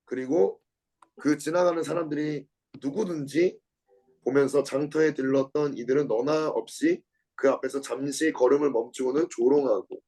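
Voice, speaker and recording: Captured on a low-quality recording, this man speaks at a normal pace while leading a Bible lesson. He reads from a book, adds his own commentary, repeats important words, and poses questions to his audience. Quoted lines burst out as he performs them with abrupt changes in pitch and volume.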